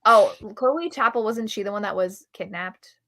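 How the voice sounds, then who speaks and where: A woman with a bright, slightly crackly voice hosts a casual book livestream. She talks candidly and gives firm opinions in a conversational way. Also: medium pitch, moderate pace. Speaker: book reviewer and livestream host. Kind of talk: casual chat about books on a live show.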